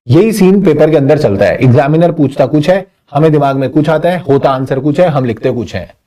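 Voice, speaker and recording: A young man teaching exam law in a lively, conversational manner, reading question text slowly and adding teasing asides. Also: a little high. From Punjabi family. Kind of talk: exam-prep lecture, mixing Hindi and English.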